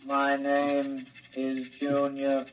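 An actor playing an obedient childlike male robot who speaks flatly and repeats what he is told, in a vintage radio drama. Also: mid-range voice, extremely slow, rough recording. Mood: droning. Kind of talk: 1940s radio acting.

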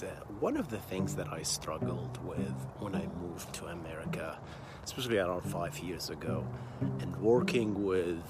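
A man in his thirties, a software engineer talking casually to camera, halting and repeating words with plenty of fillers. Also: sits low. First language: Arabic.

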